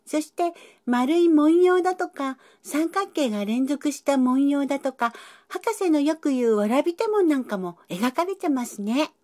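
A woman's voice: high-pitched, expressive, measured pace, few pauses, mellow. A woman voicing a curious young cat who eagerly asks polite questions. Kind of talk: educational dialogue.

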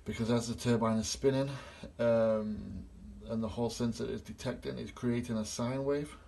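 A middle-aged man with a gravelly, creaky voice walks through a repair step by step as a gas engineer. He talks plainly into a phone he holds himself. The sound is that of a small indoor workshop. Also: medium pitch, steady tone, moderate pace, warm tone. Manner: plain step-by-step explaining, filming on his own phone. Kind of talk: hands-on repair demonstration. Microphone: phone camera held in hand.

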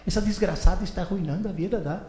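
A man in his seventies giving an animated lecture on a stage, telling stories with mimicked voices and indignant outbursts. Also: high-pitched, fast. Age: 70s. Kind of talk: animated lecture to a seminar audience. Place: large hall with a stage. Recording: echoey hall recorded from far off.

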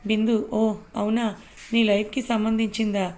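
A young wife who is quick to anger, answering in sharp, reproachful lines, as a woman storyteller puts her on. The pitch stays flat and level, with little rise or fall, in a steady storybook read. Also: natural voice.

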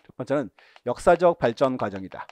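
Lively, mellow-voiced male lecturer. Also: medium pitch, a little fast. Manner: asks and answers his own questions; repeats key terms, tells students what to mark. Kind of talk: exam-prep lecture.

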